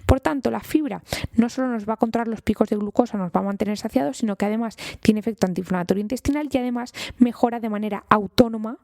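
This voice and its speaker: A woman doctor with a Spain Spanish accent hosts an informal health podcast. Her voice has a gravelly edge and a mellow, dark tone, and the sound is dry and close. She talks in an eager, chatty way, speaking straight to her listeners. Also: on the high side, fast, no room sound. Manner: enthusiastic and chatty, addresses listeners directly. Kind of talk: informal educational podcast talk.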